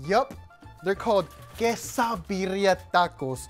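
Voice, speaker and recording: A man's voice: high-pitched, takes it slowly, faint music behind. A young man in a comedy sketch, passionately explaining a dish and teasing his friend with dry put-downs.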